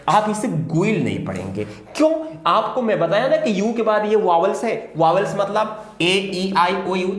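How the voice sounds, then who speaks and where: A teacher walks through a spelling rule, voice rising and falling in a lively, sing-song way. They ask and answer their own questions as they repeat every point. The sound bounces around an echoey room. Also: mid-range voice. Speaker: English teacher. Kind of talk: explaining spelling rules in a video lesson.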